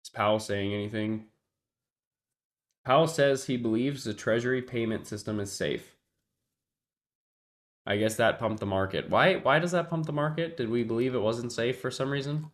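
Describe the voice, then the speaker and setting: Speaking at a normal speed with long pauses, a man with a mid-range voice does relaxed commentary on his live stream. The trader sounds congested and keeps sniffling while he thinks aloud, chats with his audience and drifts off unfinished.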